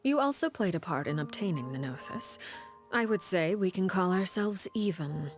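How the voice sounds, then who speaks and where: A woman voicing a composed noble host who speaks in a formal, measured, courteous way, in game audio. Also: on the low side, expressive, close to an everyday voice. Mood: cool polite. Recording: game audio with music underneath.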